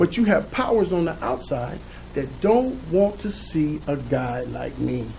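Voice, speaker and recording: Background noise is noticeable. The voice is a man's. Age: 60s. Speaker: former mayor and politician. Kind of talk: radio interview. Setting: radio studio. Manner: animated.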